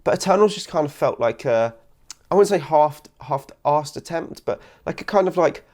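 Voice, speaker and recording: Slightly raspy young man, rambling. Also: on the high side, animated, normal speed, darkish tone. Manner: rambling, many ums and sort ofs. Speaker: film reviewer. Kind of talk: casual vlog review.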